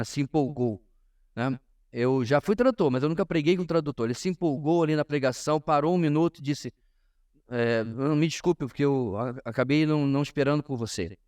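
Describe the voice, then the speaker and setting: A man with a Brazilian Portuguese accent teaches a church class as a pastor, in an informal sermon style, emphatic and often pausing to address his listeners directly. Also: medium pitch, darkish tone. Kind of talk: informal sermon-like lesson to a congregation.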